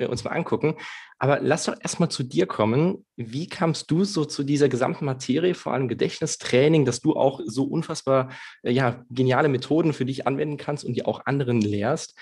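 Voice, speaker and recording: A man's voice: medium pitch, gravelly, a little mellow, husky. An enthusiastic man hosting a podcast interview, speaking in an upbeat, eager way. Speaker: podcast host.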